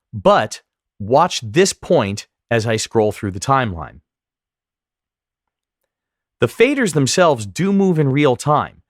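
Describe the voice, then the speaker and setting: A man giving step-by-step instructional narration as a software tutorial instructor, explaining clearly what he does on screen. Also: mid-range voice, dry recording, clean studio sound.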